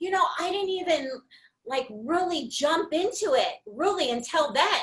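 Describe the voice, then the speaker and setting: A loud woman's voice at an extremely high pitch with very wide pitch swings and a fairly slow pace. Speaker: network marketing team leader. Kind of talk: motivational speech on a corporate call. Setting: corporate office.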